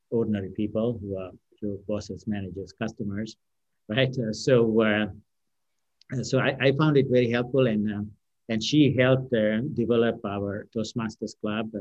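A man speaking English as his third language, answering interview questions as a company founder with many fillers, pauses and restarts. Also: fairly low pitch, darkish tone, no echo, lo-fi sound. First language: non-English first language. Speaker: company founder and CEO, guest. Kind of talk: unscripted podcast interview answer.

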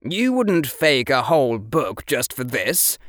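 A man's voice: medium pitch, sing-song, takes it slowly, fairly bright tone, no echo, clean studio sound, pitched above the performer's own voice. A man voicing a proud young wizard boy, frightened and wavering as he whispers in awe. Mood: wondering.

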